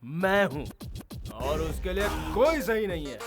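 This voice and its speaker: An actor dubbing a jealous, lovesick young man who rants loudly. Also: high voice, big pitch swings, measured pace. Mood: ranting. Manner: loud, ranting, emotional. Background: film score music.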